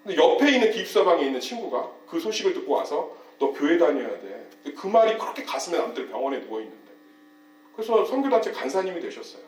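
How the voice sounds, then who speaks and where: Animated high-voiced male preacher, echoey hall. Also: fast talker. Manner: animated, acts out quoted voices, exhorting. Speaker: pastor. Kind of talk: sermon. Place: church sanctuary. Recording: echoey church hall, distant mic, mains hum.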